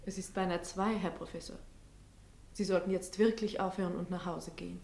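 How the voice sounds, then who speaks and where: A woman acting in a German radio play as a respectful hospital nurse, soft-spoken, hesitant and earnest. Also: on the low side, fairly even intonation, fairly quick, gravelly, breathy edge. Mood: gently concerned. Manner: hesitant, hushed.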